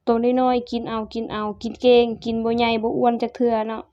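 A young woman with an Isan accent chats casually through a cooking and eating vlog, talking to her viewers like family. Her voice sits fairly high but barely moves in pitch. The recording sounds dull and dry. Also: monotone, fast, dark tone, dry recording. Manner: chatty, addresses viewers as family, mixes dialect in.

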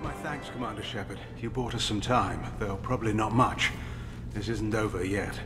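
An actor as grave, low-voiced scientist. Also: male voice, over music, natural voice. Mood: grave, measured. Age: middle-aged. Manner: formal, measured, articulate. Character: grave middle-aged male chief scientist, guilty but defensive. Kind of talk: scripted video game dialogue.

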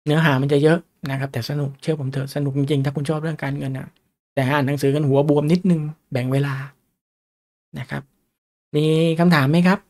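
A man teaches investing in a relaxed, conversational way. His voice sits a little high for a man, and he keeps checking in with his listeners with quick questions. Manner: chatty, asks the audience questions often. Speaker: stock market teacher. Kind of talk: casual lecture on stock charts.

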